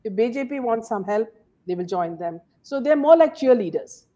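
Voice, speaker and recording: A woman's voice: on the high side, expressive, moderate pace, dark tone. A woman hosting a casual commentary talk, filling her sentences with "uh" and "you know". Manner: many fillers and "you know"s. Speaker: host.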